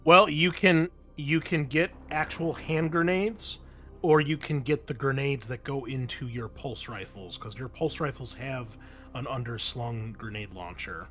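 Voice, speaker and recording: A man's voice: medium pitch, unhurried, a bit bright. Casual male game master over music. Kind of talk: casual online tabletop roleplaying game talk. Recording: music under the voice. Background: background music.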